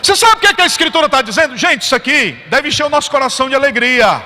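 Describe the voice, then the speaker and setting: A man preaching a sermon as a pastor, telling a story and rising into fervent, shouted praise. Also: extremely high pitch, sing-song, rapid-fire. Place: church. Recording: church hall reverb, faint ambience.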